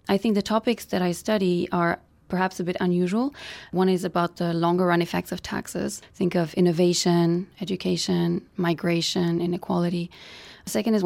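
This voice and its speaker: Low, gravelly-voiced woman economics professor. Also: darkish tone, dry recording. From Bulgaria. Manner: measured, academic, frequent "you know". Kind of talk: explanatory interview answers.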